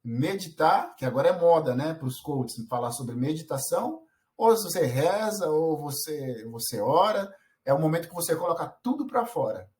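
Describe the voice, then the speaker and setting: A man's voice: a little high, lively intonation, normal speed, a little mellow. Earnest, rambling man giving parenting advice. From Brazil. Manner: earnest, many restarts and filler words. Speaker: parenting vlogger. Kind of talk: casual talk to camera.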